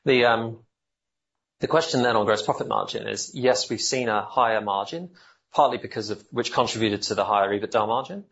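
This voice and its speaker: A man answering questions as a company executive on an earnings call, explaining in halting, self-correcting phrases. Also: fairly low pitch, vocal fry, a bit bright. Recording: dull, band-limited call audio.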